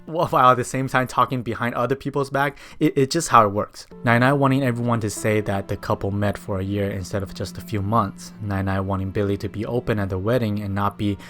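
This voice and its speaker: A low-pitched man narrates a scripted film essay. He speaks fluent second-language English in a reflective, personal way, with music playing behind him. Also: steady tone, a little fast, hardly any pauses, fairly bright tone. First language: Mandarin. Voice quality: non-native but fluent English. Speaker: video essayist.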